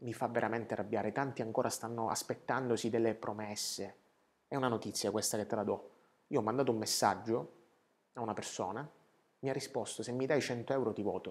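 A man at medium pitch and a fairly quick pace, with long, frequent pauses. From Sicily, Palermo; Sicily. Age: 20s. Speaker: political candidate; candidate. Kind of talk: interview. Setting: studio. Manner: animated. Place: studio. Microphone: lapel.

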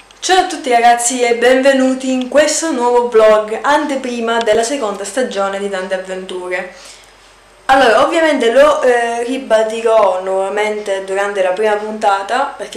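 A woman at a moderate pace with audible room echo. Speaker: vlogger. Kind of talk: casual vlog chat. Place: home room. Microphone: phone near.

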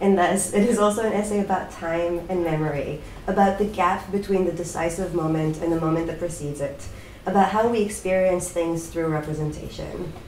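Fairly low-pitched woman speaking at a fairly quick pace with ordinary pitch variation, amid noticeable background noise. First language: not English. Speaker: art writer and editor. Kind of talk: lecture. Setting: stage with audience. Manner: animated.

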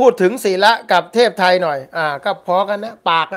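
A man speaks loudly at a high pitch, with ordinary pitch variation. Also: quiet background. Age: 50s. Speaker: lawyer and online show host; lawyer, online show host. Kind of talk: casual livestream talk to viewers. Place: home room. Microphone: lapel.

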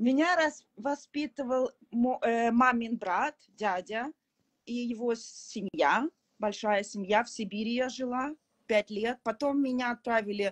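A woman's fairly high-pitched voice at a very slow pace, with ordinary pitch variation and a dry, close sound with no echo. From Russia (Moscow, Siberia). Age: 40s. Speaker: participant in live coaching session. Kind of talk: emotional personal testimony.

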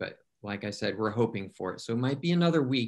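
The setting is quiet. A man's voice is heard. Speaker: guest. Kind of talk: interview answer. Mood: friendly, explanatory. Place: home room. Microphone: video call.

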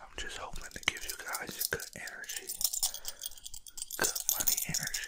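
A soft-spoken, breathy whisper at a moderate pace. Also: man. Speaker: ASMR creator. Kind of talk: soft ASMR talk to viewers. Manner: soft, breathy ASMR near-whisper. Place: home room. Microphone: studio mic.

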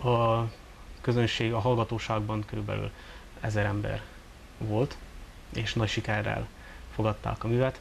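Speech comes at a fairly slow pace with long, frequent pauses over light background noise. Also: man. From Transylvania, Romania (Hungarian minority). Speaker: choir conductor; guest. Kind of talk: studio interview. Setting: studio. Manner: halting, many fillers. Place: studio. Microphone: lapel.

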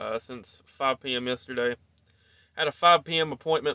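Against a quiet background, a man speaks at a very slow pace in a monotone, flat intonation, with a dry sound and no echo. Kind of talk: casual vlog chat. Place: car. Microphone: phone near.

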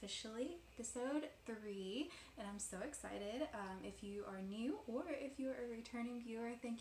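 Her pace fairly slow and her pitch variation ordinary, a woman talks in a room with audible echo and light background noise. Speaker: craft vlogger. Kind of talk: casual vlog chat. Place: home room. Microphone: phone near.

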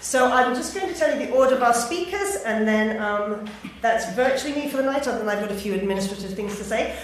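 With strong room echo and light background noise, a woman speaks at a fairly quick pace in a high pitch. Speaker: event host. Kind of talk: event introduction speech. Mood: warm, friendly. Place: hall. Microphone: podium.

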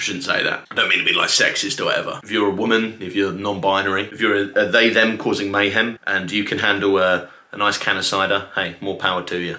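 Speaking with an English accent, a man talks at a very fast pace in a flat monotone. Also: fairly low pitch for a man. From England. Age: 20s. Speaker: YouTube drink reviewer. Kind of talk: casual comedic review monologue. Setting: home video recording on camera. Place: home room.

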